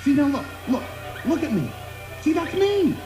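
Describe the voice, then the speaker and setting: A man playing an earnest, excitable cowboy sheriff toy in an animated film, with an American accent and a pleading, emphatic delivery. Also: very high voice, normal speed, roomy sound, music in the background. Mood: excited.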